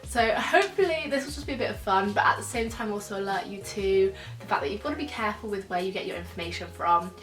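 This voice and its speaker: A young woman, a nutrition student, talking casually to camera while croaky and stuffed up from a cold, explaining things in a chatty way. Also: mid-range voice, fast talker, few pauses, recorded from a distance. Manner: chatty and explanatory, many fillers like "so" and "yeah". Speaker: nutrition student reacting to videos. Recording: echoey room, voice a bit off-mic, soft music behind.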